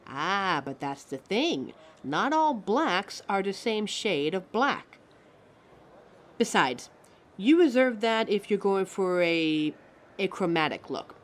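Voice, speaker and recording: A woman voicing a pompous, theatrical living mannequin who lectures the listener as a fussy fashion expert in a scripted roleplay. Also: lowish voice. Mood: haughty, instructive. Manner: pompous, affected, instructive, calls listener darling.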